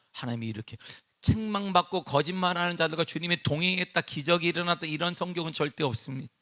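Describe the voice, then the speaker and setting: A middle-aged man whose voice sits high preaches as pastor in a church sanctuary. He starts emphatic, with call-and-response questions, then eases into a relaxed personal anecdote.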